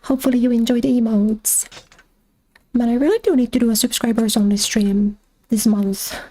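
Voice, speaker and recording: A woman's voice: a little high, steady tone, normal speed, dark tone. A young woman streamer chatting casually as she plays, thinking aloud about missions and thanking subscribers. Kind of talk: casual gameplay commentary.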